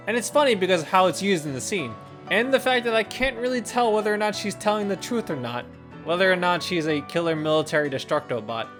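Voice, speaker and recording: With guitar and instrumental music in the background, a video game reviewer and host reads his first-impressions script. His medium-pitched, slightly bright voice comes across as excited and strongly opinionated.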